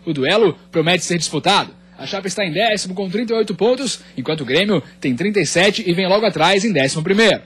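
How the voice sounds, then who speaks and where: Male sports reporter, high and husky, upbeat narration. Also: lively intonation, quick pace, few pauses, fairly bright tone. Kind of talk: scripted news narration.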